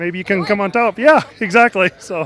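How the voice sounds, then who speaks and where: A man speaks with a Midwestern US accent. His voice sits high in pitch. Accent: US Midwest. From Iowa. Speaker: tractor puller. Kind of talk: interview.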